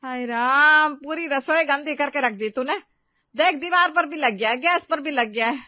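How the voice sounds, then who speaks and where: A woman's voice: high-pitched, moderate pace, dry recording, highs cut off, lightly acted. A woman playing a bossy, scolding mother-in-law. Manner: scolding, commanding. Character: strict, bossy middle-aged mother-in-law. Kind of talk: Hindi cartoon story voice acting.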